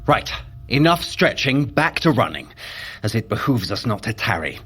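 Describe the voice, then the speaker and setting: Sly male trickster god for audio drama: haughty, theatrical, husky edge, echoing hall. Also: mid-range voice, big pitch swings, normal speed, pushed and bright, heavily acted. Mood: brisk, scheming. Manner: theatrical, wry, imperious.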